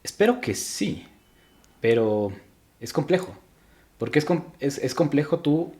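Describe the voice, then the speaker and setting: A man's voice: on the high side, very animated, a little slow, darkish tone. A young man from Ecuador, a podcast guest, talking reflectively in casual interview chat with frequent restarts.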